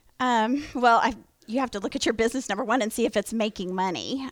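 A woman with a normal speaking voice and a fairly high pitch talks at a fairly quick pace with ordinary pitch variation in a dry, close sound with no echo. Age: 40s. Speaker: franchise founder. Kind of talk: casual chat.

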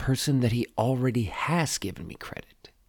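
A man's medium-pitched, somewhat breathy voice at a moderate pace with ordinary pitch variation, on a very clean recording with a silent background. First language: Swedish. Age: 30s. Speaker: podcast host. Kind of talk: casual monologue. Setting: home studio.

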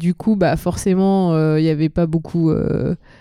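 In a very clean recording with a silent background and a dry, close sound with no echo, a woman with a dark, mellow tone speaks at a moderate pace with fairly even intonation. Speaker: podcast co-host. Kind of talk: casual chat. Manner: effortful, cracking voice.

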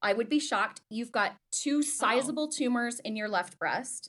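With a normal speaking voice, a woman talks at a moderate pace, her fairly high pitch showing ordinary variation. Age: 40s. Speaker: breast cancer survivor. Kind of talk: casual chat.

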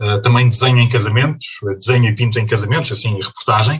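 A somewhat breathy man at a medium pitch, with fairly even intonation. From Portugal, Algarve (Lagos). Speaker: illustrator and architect. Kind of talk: casual interview.

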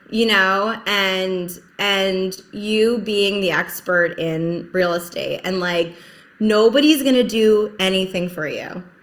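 Speaking at a very slow pace, a woman with an American accent has a bright, sharp tone. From New Jersey. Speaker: realtor. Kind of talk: casual chat.

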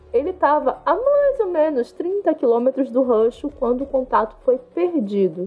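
Over background music, a woman with a high pitch and very wide pitch swings speaks at a moderate pace with very even loudness and hardly any pauses. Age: 30s. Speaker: podcast host. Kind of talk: casual chat with narration.

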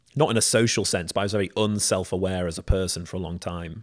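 In a very clean recording with a silent background, the voice has a northern English accent and fairly even intonation. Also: man. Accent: soft northern English. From northwest England. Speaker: guest. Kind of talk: casual interview chat.

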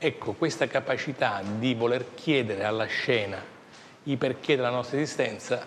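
A man talks fairly quickly at a medium pitch, varying it in an ordinary way as noticeable background noise runs behind him. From Sicily. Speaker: photographer and photography critic. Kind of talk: interview. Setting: festival venue near the beach.

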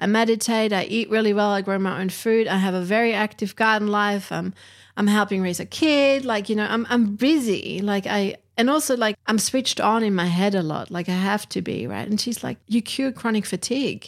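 A woman with a plain, everyday voice, medium in pitch, at a fairly quick pace with ordinary pitch variation, on a very clean recording with a silent background. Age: 40s. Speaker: psychologist and trauma therapist. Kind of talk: casual chat. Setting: studio.

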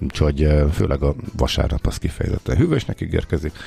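A man talks fairly quickly with noticeable background noise behind him. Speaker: radio host. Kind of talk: casual morning radio banter.

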